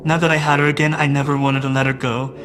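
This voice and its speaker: A man's voice: mid-range voice, level tone, quick pace, music in the background. A man narrating a first-person audio drama in a wistful, doting way that grows uneasy.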